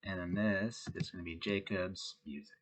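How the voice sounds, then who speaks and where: A man with a congested voice from a head cold, talking through a web coding tutorial in a relaxed way with many fillers. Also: low-pitched, normal speed. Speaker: web design instructor. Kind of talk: screen-recorded coding tutorial.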